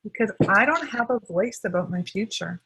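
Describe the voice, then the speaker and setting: A breathy woman at a middle pitch leads a guided tapping session. She speaks calmly and gives short phrases for her client to repeat. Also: normal speed, rough recording. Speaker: EFT practitioner leading a tapping session.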